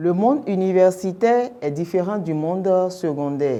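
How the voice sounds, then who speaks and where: A woman speaks with a Yoruba accent at a very slow pace. Her medium-pitched voice has a dark, mellow tone and lively intonation. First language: Yoruba (speaking French). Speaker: school guidance specialist. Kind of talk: radio interview.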